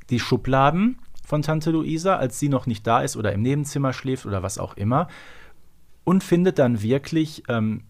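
A middle-aged man co-hosting a podcast in a casual, chatty, exclamatory style. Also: medium pitch. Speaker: podcast co-host. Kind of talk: casual fan discussion.

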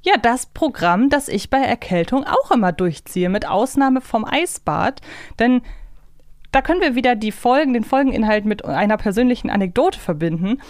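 Woman, fairly high voice, close dry sound, casual musing podcast chat, inquisitive. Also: lively intonation, moderate pace, dry recording. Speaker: podcast co-host. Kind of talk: casual chat about an audio drama series.

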